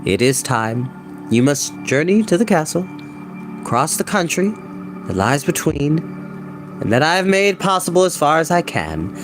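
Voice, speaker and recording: Grave, sorrowful guide of an enchanted realm, acted by a male reader; measured, portentous, slightly high voice over music. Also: sing-song. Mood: urgent, foreboding. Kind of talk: fantasy storybook reading.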